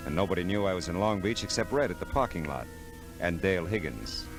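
An actor playing a cool, laconic hard-boiled private detective with wry delivery in a 1940s radio drama. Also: male voice, low-pitched, lively intonation, fast. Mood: brooding narration. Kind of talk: 1940s radio drama acting and noir narration. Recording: old radio recording, music behind.

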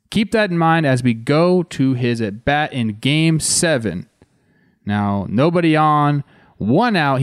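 A man's voice: mid-range voice, no room sound, clean studio sound. A man hosting a sports show, explaining plays in a conversational way and putting rhetorical questions to the viewers. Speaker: sports show host and baseball analyst. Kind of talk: explanatory sports breakdown commentary.

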